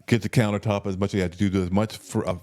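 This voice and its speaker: Deep-voiced man in his fifties, casual. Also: very fast. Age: 50s. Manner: relaxed, repeats words while thinking. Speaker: health coach. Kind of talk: casual conversational health talk.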